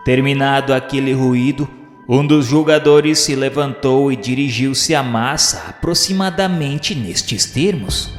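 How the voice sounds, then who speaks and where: A man's voice: medium pitch, a little slow, close to an everyday voice. A man playing a witness who narrates a spirit-world journey in a radio drama, in a formal, grave, literary way. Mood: grave, observant. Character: male witness narrating his journey through the spirit underworld. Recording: echoey long reverb, faint music. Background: faint music.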